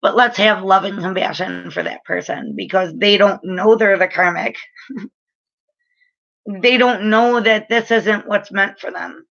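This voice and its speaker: Woman, late 30s, spiritual reader, chatty and earnest, crisp bright tone, a bit muffled. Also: mid-range voice, measured pace. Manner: chatty, filler-heavy, earnest and frank. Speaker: spiritual reader and energy healer. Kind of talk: casual spiritual advice talk to camera.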